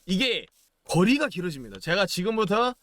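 A man's voice: sits high, sing-song, moderate pace, fairly bright tone, slight background noise. A young man giving playful, chatty commentary while playing a game, chanting and exclaiming as he goes. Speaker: gaming YouTuber.

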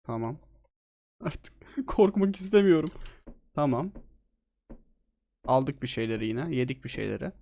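A man giving excitable, joking let's-play commentary on a horror game, swearing freely. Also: medium pitch, a little slow, pauses often. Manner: excitable, swears a lot, jokey. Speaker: gaming streamer.

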